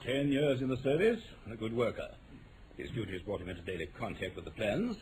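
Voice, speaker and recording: Grave, deep-voiced English official. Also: male voice, very animated, brisk, a little mellow. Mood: grave, precise. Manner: weighty, formal, emphatic. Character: grave, precise, commanding upper-class English government official. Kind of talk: 1940s radio drama acting. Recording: old radio broadcast, faint noise.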